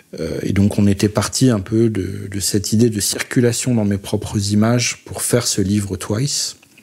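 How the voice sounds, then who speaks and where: A man speaks at a fairly low pitch with fairly even intonation. Noticeable background noise sits behind him. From Paris. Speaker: photographer. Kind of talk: interview answer. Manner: slow, thoughtful.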